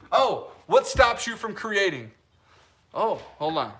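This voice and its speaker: A Utah man in his late twenties hosts a relaxed live stream, rambling through viewer comments with plenty of fillers and restarts and laughing easily. His high voice is very animated, slow, and a bit bright.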